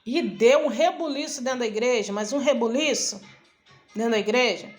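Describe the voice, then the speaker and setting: High-voiced woman telling a church story. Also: normal speed, soft background music. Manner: chatty, strings events with frequent "aí"; acts out quoted dialogue in her own voice. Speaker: missionary and preacher. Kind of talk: personal testimony storytelling.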